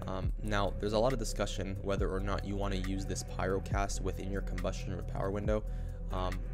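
A man with a cold, sounding a bit nasal, casually explaining a game tactic with lots of filler ums. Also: sits low. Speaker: game guide streamer. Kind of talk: casual gameplay tutorial.

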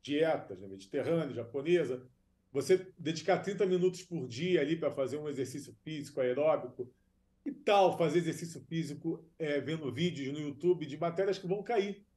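A man's voice: on the high side, expressive, a little fast, a little mellow. A Brazilian man in early middle age, giving informal advice as an expert on a self-recorded video. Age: 30s or 40s. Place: small room at home or office.

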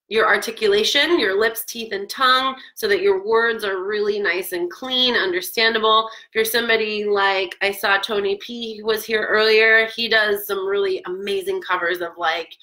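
A woman voice teacher leading a vocal warmup lesson, singing meows that climb higher and coaching in a chatty, encouraging way. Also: rough recording. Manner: demonstrates sung meows sliding ever higher.

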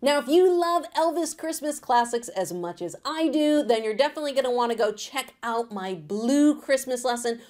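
A woman's voice: high-pitched, lively intonation, moderate pace, few pauses, darkish tone. An upbeat, encouraging woman in her thirties with an alto voice, teaching a guitar lesson to camera in a home studio and singing along. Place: home studio room, indoors. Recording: acoustic guitar playing under the voice.

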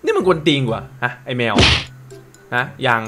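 A young man hosting a casual comedic commentary on viral clips, excitable, swearing freely and often laughing. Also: mid-range voice, moderate pace. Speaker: host reacting to viral clips. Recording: music playing behind voice.

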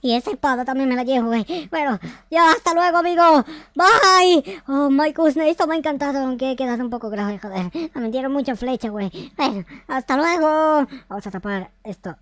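An excitable little noob warrior, voiced by a man for a video game roleplay. The voice is very high and close, with no room sound. He is slangy and foul-mouthed and repeats his words, while music plays behind him. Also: fairly quick, hardly any pauses, no echo, exaggerated voice. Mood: relaxed. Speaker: gaming YouTuber. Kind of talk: improvised Minecraft roleplay. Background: background music.

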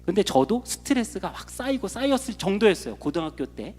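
A man's voice: sits high, sing-song, a little fast, soft background music. A male pastor preaching a sermon in a church, telling a personal story earnestly and building to impassioned pleading. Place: church sanctuary. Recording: long church reverb with soft instruments behind.

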